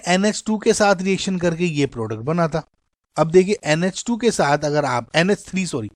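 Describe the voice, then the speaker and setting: A man's voice: high-pitched, dry recording, studio quality. A man with an Indian accent explaining chemistry exam questions in a conversational way, often addressing the viewers as guys. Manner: conversational, mixes English terms, addresses "guys". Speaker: chemistry teacher.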